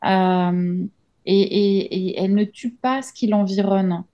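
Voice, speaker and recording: Speaking slowly in a steady, medium-pitched and dark voice, this French-native journalist and author in her thirties reflects aloud as an interview guest, often hesitating and starting over. The audio sounds dull.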